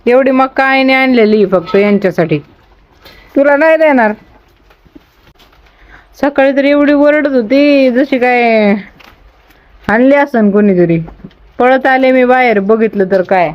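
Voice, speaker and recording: Chatty village woman, vlogging outside her farmhouse on a phone, kinda muffled sound, animals in the background. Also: a little high. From Ahilyanagar district, Maharashtra, India. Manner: chatty, homely, talks to the viewers and her animals. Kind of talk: casual vlog narration.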